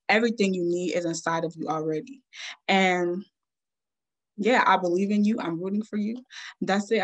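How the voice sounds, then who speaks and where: A young woman, a student advocate, giving an earnest, measured prepared talk on a video call from home, with frequent "um"s. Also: lowish voice. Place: home room, plain wall. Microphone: laptop webcam on a video call.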